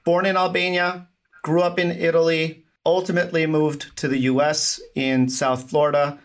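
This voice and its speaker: A man's voice: fairly high pitch, level tone, moderate pace. A man hosting a conversational podcast interview, often repeating words as he phrases his questions.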